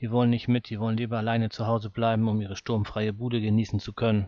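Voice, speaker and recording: Very fast speech in a monotone, flat intonation. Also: man. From Schleswig-Holstein, northern Germany (near Flensburg). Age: 40s. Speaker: podcast co-host. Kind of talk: casual chat.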